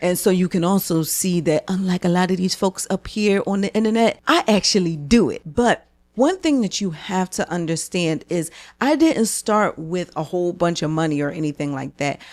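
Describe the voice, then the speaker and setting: Speaking in a Philadelphia accent, a woman with a medium pitch and ordinary pitch variation sounds animated at a moderate pace on a very clean recording with a silent background. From US Northeast, Philadelphia. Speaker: YouTuber and audiobook narrator. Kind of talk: casual direct-to-camera tutorial.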